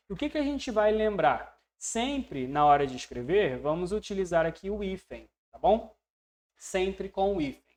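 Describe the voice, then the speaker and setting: A man with a Brazilian Portuguese accent teaching English, who explains patiently, checks in with the learner and drills words slowly. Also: high voice. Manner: voices learners' questions to himself. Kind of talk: online language lesson.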